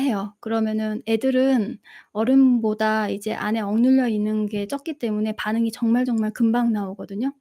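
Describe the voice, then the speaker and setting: Gentle higher-voiced woman telling stories. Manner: gentle, storytelling, laughs often. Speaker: meditation channel host. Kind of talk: live Q&A talk.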